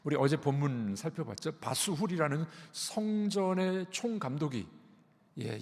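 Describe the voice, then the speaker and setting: A man's voice: medium pitch, vocal fry, a little mellow, big-room sound. A man giving a sermon as pastor, explaining patiently and repeating key words. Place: church sanctuary.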